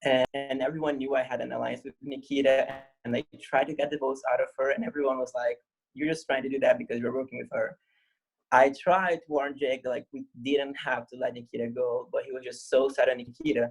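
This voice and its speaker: This man talks at a fairly quick pace in a fairly high voice with a non-native accent. His intonation is fairly even, and the sound is dry and close with no echo. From non-English-speaking country. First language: not English. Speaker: online game finalist. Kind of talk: final speech to jury. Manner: casual, halting.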